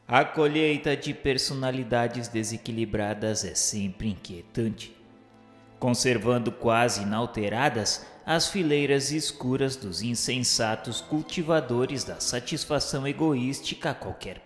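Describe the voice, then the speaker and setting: A man with a Brazilian accent reads a scripted radio novela narration in a formal, measured, didactic way. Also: mid-range voice. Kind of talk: scripted dramatized narration, solemn literary reading. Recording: echoey hall reverb, music underneath. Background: music.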